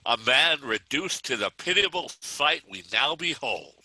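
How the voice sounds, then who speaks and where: A man's voice: mid-range voice, sing-song, measured pace, pushed and bright, no room sound, heavily acted, rough recording. A man acting a pompous, theatrical sports commentator who gives grandiose mock commentary in a comic script read. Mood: pompous, mock-solemn.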